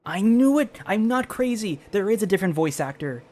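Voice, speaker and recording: A woman's voice: mid-range voice, lively intonation, fairly quick, a little mellow. A woman giving casual, live reaction commentary while streaming a video game. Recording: game music underneath. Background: game music.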